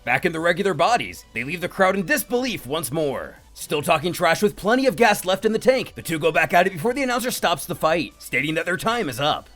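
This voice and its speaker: A man's voice: high voice, very animated, fairly quick, hardly any pauses, fairly bright tone, soft background music. A man reading scripted narration for a comic story recap, as its narrator.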